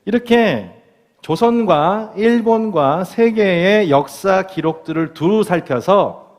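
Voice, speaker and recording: A male pastor preaches with a fairly high, lively voice that swings up and down as he quizzes the congregation. His delivery is playful and animated. The sound carries a long church-hall reverb from a live service recording. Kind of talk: sermon. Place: church sanctuary.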